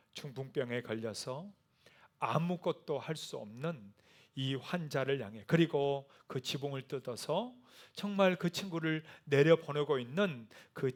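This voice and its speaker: A middle-aged man preaching a sermon as pastor, moving between soft, near-whispered words of comfort and loud, rising appeals to the congregation. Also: medium pitch.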